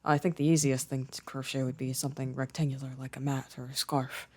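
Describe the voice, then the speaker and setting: A young man playing a gentle, shy, affectionate boyfriend in an ASMR roleplay, speaking softly and hesitantly with careful phrasing. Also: mid-range voice, little pitch movement, fairly quick, close to an everyday voice. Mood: gentle, attentive.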